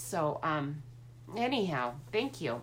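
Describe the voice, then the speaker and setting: There is audible room echo around the voice. The speaker is a woman. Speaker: card-making crafter. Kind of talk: live stream craft demo. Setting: home office. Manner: halting, many fillers.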